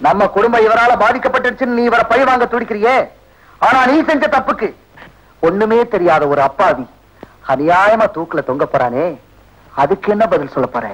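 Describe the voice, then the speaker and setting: An actor playing a gentle, desperate brother who pleads for justice, from an old film soundtrack with music behind. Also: male voice, brisk, low-quality recording. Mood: pleading. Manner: pleading, husky high voice.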